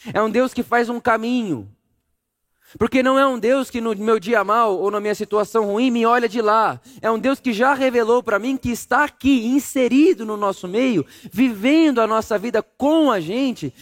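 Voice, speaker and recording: A man preaching a sermon, telling the story dramatically, dropping to a hush and rising again as he acts out scenes. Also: very high-pitched. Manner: dramatic storytelling, acting out scenes with hushed and raised voice.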